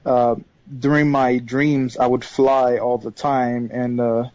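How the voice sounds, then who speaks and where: A man from Haiti, whose first language is not English, calling into a radio show and telling a personal story with many pauses and fillers. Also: medium pitch, flat delivery, darkish tone, no echo, lo-fi sound. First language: not English; third language. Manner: hesitant, many fillers and restarts. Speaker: caller.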